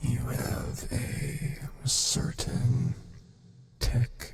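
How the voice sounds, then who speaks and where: A man is whispering. Background noise is noticeable. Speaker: ASMR creator. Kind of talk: ASMR yapping monologue. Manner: soft-spoken, whispering.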